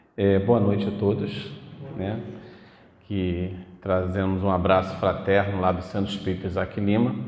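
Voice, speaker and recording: In audible room echo, a man with a very deep, low voice speaks in a monotone, flat way, with long, frequent pauses. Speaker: spiritist lecturer and teacher. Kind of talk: spiritist study talk. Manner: casual, hesitant with fillers.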